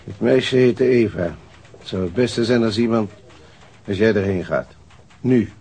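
A practical police colleague in a radio drama. His voice is low and husky. He speaks directly and firmly, in clipped, businesslike phrases. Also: measured pace, mellow. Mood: firm, grave. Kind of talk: radio crime drama dialogue.

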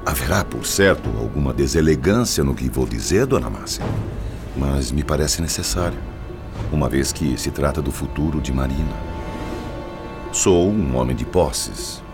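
A wealthy older widower in a radio soap courts with sugary, courtly formality. His voice is extremely deep and moves expressively up and down. Faint music plays beneath him. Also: animated. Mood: suave, boastful. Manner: courtly, formal, measured phrasing. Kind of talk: radio soap opera acting. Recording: music behind the voice.

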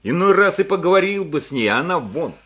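A blunt, plain-spoken husband in a radio play. His slightly high voice moves up and down expressively. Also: big pitch swings, fast, fairly bright tone. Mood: gruff. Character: blunt, gruff village husband.

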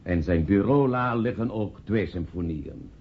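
Casting: jovial, self-important male party orator, highly animated, muffled noisy radio play recording. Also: a little slow. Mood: pompous, jovial. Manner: pompous, chuckling oratory.

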